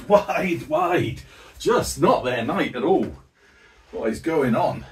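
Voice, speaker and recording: Excitable man commentating a tabletop match. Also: mid-range voice, distant mic. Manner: excitable, jokey, with sudden loud outbursts. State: out of breath, hot. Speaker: host and commentator of a tabletop football game. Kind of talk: solo play-by-play commentary.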